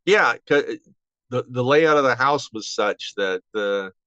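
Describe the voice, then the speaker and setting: An elderly man in his seventies looks back casually as an interview guest. He talks in a halting, rambling way, restarting sentences. The recording is slightly dull and lo-fi, with hardly any room sound. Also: medium pitch, lively intonation, sharp tone, clear, resonant tone, dry recording. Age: 70s. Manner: halting, rambling with false starts. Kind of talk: casual reminiscing. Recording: dull, band-limited audio.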